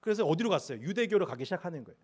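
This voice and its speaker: A man preaches from the pulpit and tells his story with a lot of drama. His voice sits high and swoops up and down, and he puts on short voices for the people in his story. He keeps turning to the congregation with questions. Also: sing-song, racing, a little mellow, slightly rough. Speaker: pastor. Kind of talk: sermon. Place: church sanctuary.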